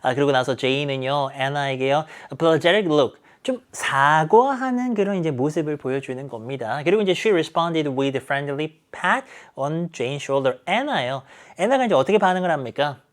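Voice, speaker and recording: Male lecturer, animated delivery, acts out dialogue for students. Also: a little high, a little slow, hardly any pauses. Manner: lively, acts out characters' lines while explaining. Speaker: English teacher. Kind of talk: exam explanation lecture.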